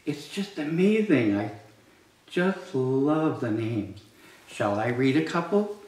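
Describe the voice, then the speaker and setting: A middle-aged man with a playful, theatrical drag queen delivery, reading a children's picture book aloud with chatty asides and drawn-out words. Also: mid-range voice, animated, a little mellow. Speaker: drag queen storytime performer. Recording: roomy, distant microphone.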